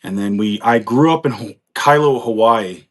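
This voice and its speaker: An American man in his forties, a guest on a live chat, rambles through his life story with plenty of laughter. His voice is on the low side and a bit bright, at a normal pace.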